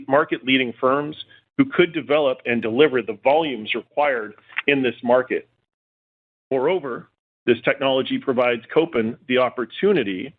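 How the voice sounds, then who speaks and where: Tinny phone audio, male executive, mid-range voice, formal measured reading, earnings call script. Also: medium pitch. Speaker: company chief executive. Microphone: phone conference call. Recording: tinny narrow-band phone line.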